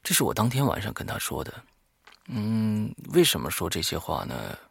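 Low, gravelly man telling horror stories. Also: wildly swooping pitch, normal speed, fairly bright tone, no room sound, clean studio sound. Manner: dramatic reading broken by offhand muttered comments. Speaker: host and storyteller of a horror audio show. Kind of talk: reading a horror diary aloud with casual asides.

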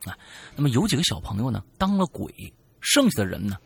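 Gravelly man telling a spooky story. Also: medium pitch, big pitch swings, fast, a little hiss or hum. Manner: dramatic, swings from loud to hushed. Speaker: podcast co-host reading a listener's story.

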